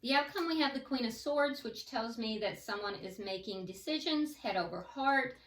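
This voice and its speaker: A woman giving a tarot reading like a fortune teller, thinking aloud haltingly and advising the listener directly. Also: on the high side, expressive, a bit bright. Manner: hesitant, thinking aloud as cards are read. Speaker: tarot reader. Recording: roomy echo, distant from the mic.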